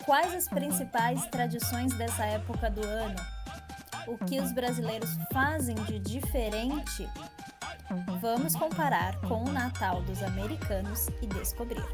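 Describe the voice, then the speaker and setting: A woman's voice: on the high side, unhurried, loud music behind the voice. Brazilian woman hosting an interview. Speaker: host. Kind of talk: podcast interview.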